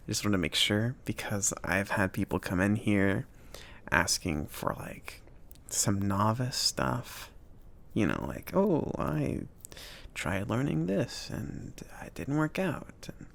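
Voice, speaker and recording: A man playing a friendly, awkward mage who runs a magic shop, rambling and reassuring in a soft-spoken ASMR roleplay. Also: fairly low pitch, vocal fry. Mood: mimicking customers. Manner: rambling, hesitant, reassuring, with nervous chuckles.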